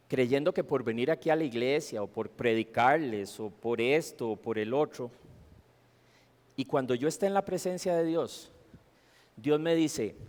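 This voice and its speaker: A man's voice: mid-range voice, a little mellow. Preaching man, reverberant church. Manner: emphatic preaching with rhetorical questions to the congregation. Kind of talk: sermon. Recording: long hall reverb.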